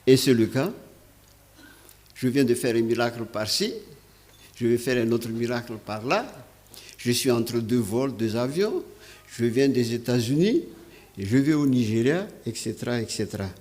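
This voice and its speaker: A man's voice: medium pitch, expressive, normal speed, long pauses, darkish tone. Hesitant, emphatic preacher man from Madagascar. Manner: emphatic rising stresses, frequent hesitations and repeated words. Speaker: pastor. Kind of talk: sermon.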